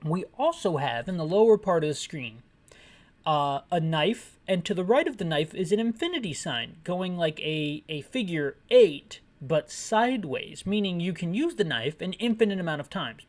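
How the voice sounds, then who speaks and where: A man's voice: high-pitched, sing-song, normal speed. A man who hosts a gaming channel, giving a rambling, jokey audio description of a game.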